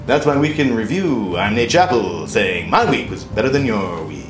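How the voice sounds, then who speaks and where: A man's voice: mid-range voice, lively intonation, normal speed, reverberant, over music. A man hosting a scripted comedy news segment in a performative, jokey manner. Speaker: comedy show host.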